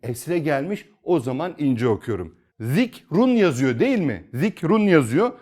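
A male Quran reading teacher, a little higher-pitched than most men, whose voice rises and falls a lot as he explains each rule. He asks his students questions and answers them himself, going over the steps again and again. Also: sing-song, a little slow, a little mellow. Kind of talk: step-by-step recitation lesson.

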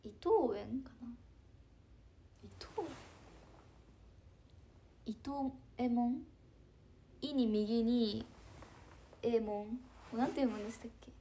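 Young woman, 20s, slightly high voice, casual live-stream chatter with soft asides. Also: steady tone, slow pace, pauses often, slight background noise. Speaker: idol livestreamer reading chat comments.

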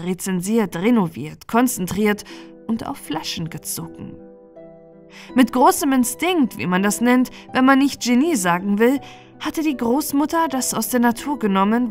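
Woman narrating a fairy tale over music. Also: fairly high pitch. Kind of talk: expressive scripted storytelling. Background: soft music.

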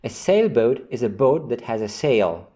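A man hosting an English vocabulary lesson, reading example sentences and definitions slowly and clearly. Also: medium pitch, big pitch swings, mellow. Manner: slow, carefully enunciated reading of example sentences. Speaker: English teacher.

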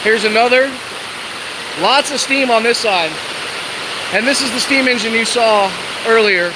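A woman's voice: fairly high pitch, unhurried. An enthusiastic woman giving a casual, informal vlog tour, walking through and commenting as she goes. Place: large metal shed in rain. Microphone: handheld camera. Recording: very loud rain roar and hiss.

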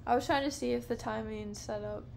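A woman in her thirties hosting a podcast alone, rambling slowly and softly in a dim living room at night, with many fillers. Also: fairly high pitch, steady tone, gravelly, a little hiss or hum. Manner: slow, meandering, soft-spoken with many fillers. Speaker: podcast host. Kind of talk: rambling casual monologue. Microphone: camera close up, handheld or on a low stand.

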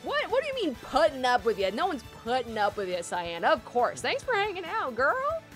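Woman streamer, loud, excitable, lively swooping pitch, slightly strained throat. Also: moderate pace. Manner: loud, excitable, shrieks at plays. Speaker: streamer host. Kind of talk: casual gaming stream chat. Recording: light game music behind.

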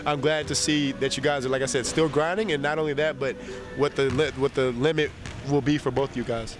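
A man's voice: medium pitch, steady tone, a little fast, music in the background. A young man speaking as an interview guest in an empty indoor arena, slightly nasal from a cold, easygoing and rambling into a handheld mic. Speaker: interview guest, basketball player. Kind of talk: casual interview chat.

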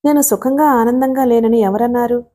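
A woman's voice: fairly high pitch, fairly even intonation, moderate pace, warm tone, natural voice. A woman voicing a loving, anxious young wife who speaks earnestly and reproachfully.

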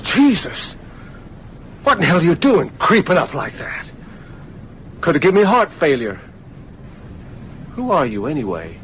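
An actor playing a blunt, irritable, uneasy gravedigger in a radio horror drama. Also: male voice, a little high, huge pitch swings, measured pace, long pauses, a bit bright, slight background noise, heavily acted. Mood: startled, grumbling. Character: edgy, grumbling working-class male gravedigger.

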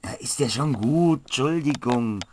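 A man's voice: mid-range voice, measured pace, background noise, pitched above the performer's own voice, natural voice. A man playing a clumsy, easily annoyed, sturdy wizard's apprentice who hesitates and stammers in a fantasy audio story. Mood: grumpy. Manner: hesitant, stammering with filler sounds.

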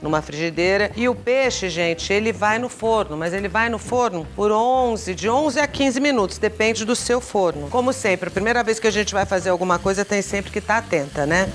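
A woman's voice: mid-range voice, moderate pace, few pauses, faint music behind. A woman in her fifties hosting a cooking show, talking viewers through a recipe in a chatty way and often checking in with them. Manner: chatty, addresses viewers directly with frequent tag questions. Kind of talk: casual cooking demonstration. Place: indoor studio kitchen set.

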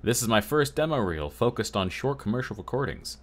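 A man's voice: medium pitch, sing-song, a little fast. A man reading scripted announcer copy as a beginner voice actor in a commercial demo.

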